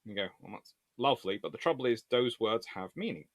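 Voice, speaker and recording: A man's voice: medium pitch, animated, a little fast, no room sound. Man explaining history in a dry-sounding room. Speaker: naval history video host. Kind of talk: informal explainer and viewer Q&A.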